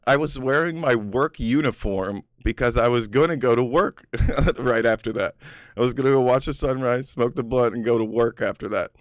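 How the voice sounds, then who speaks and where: A man's voice: mid-range voice, normal speed, dry recording, clean studio sound. A man casually telling personal stories in a rambling, profane way, full of filler words. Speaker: storyteller.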